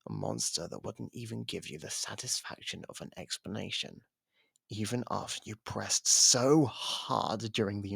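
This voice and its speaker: A man playing a sardonic, taunting imprisoned murderer in an ASMR roleplay, with a gravelly, husky voice and theatrical pauses, close on the mic. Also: on the low side, a bit bright, dry recording, heavily acted. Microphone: close microphone, dry.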